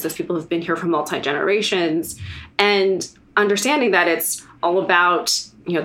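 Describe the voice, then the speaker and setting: A woman's voice: on the low side, fairly bright tone. A woman from the United States, a guest in a podcast interview, talking in a loose, rambling way with many fillers and restarts. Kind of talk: casual interview chat.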